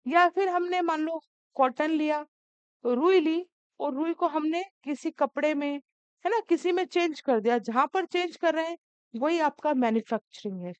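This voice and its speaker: A woman's voice: high voice, normal speed, no echo, highs cut off. A woman teaching an exam-prep lesson, calling her students "beta" as she coaxes and scolds them.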